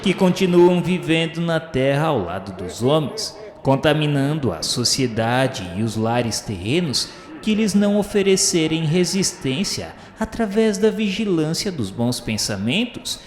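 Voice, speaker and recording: A man's voice: fairly high pitch, sing-song, unhurried, hardly any pauses, a little hiss or hum. A man narrating a radio drama in a solemn, dramatic way. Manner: solemn, dramatic, rising in emphasis. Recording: reverberant hall sound with faint music.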